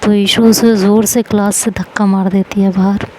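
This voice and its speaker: A woman's voice: medium pitch, little pitch movement, moderate pace, mellow, slight background noise, rough recording. A woman storyteller narrating a romance in a plain, conversational way.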